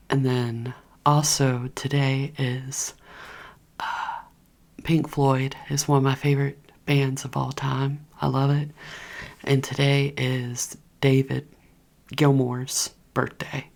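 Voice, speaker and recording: A woman's voice: rumbling low, flat delivery, slow, pauses often, darkish tone. A woman whispering in a rambling, chatty way, talking straight to her viewers for an ASMR video. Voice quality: breathy whisper. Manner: rambling, chatty, addresses viewers as "you guys". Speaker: ASMR creator. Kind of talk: whispered ASMR gossip chat. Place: indoors at home, heater running.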